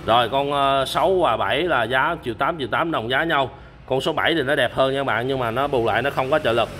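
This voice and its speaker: A man's voice: medium pitch, fast, fairly bright tone, a little hiss or hum. A man casually showing and explaining used machines to camera at night, talking with lots of fillers and direct address, filmed on a phone. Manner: chatty, repeats "các bạn", many fillers. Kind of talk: casual product demo to camera. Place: at night in a storage area full of machines. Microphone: phone camera held while filming.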